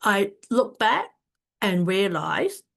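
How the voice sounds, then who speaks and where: A woman's voice: medium pitch, very animated, slow, gravelly, fairly bright tone. A woman from Hong Kong giving a casual talk over a video call, hesitant and full of fillers and restarts. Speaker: speaker at an online community event.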